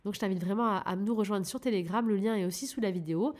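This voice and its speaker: With a mid-range voice and a quick pace, a woman life coach on her own channel gently cheers her listeners on. The talk is an informal coaching monologue.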